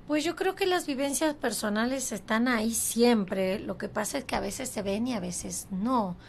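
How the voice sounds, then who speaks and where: Gravelly woman, measured and frank. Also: fairly high pitch, a little hiss or hum. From Argentina. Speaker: journalist guest. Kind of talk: reflective interview answers. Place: university auditorium.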